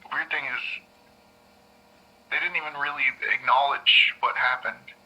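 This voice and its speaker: A man's voice: medium pitch, fairly even intonation, sharp tone, husky, highs cut off. An actor playing a shaken man who stammers through a painful memory, heard as an old tape recording. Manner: halting, stammering, subdued.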